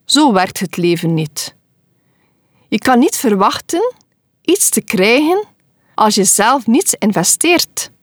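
A woman's voice: fairly high pitch, very animated, takes it slowly, pauses often, dry recording, clean studio sound. A woman hosting a short Christian devotional podcast, speaking earnestly and encouragingly as a wife and mother. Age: adult. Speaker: podcast host giving devotionals.

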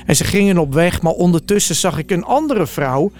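A man's voice: high-pitched, expressive, a little fast, darkish tone. A man telling a Bible story in the first person as an eyewitness, in a vivid and earnest way.

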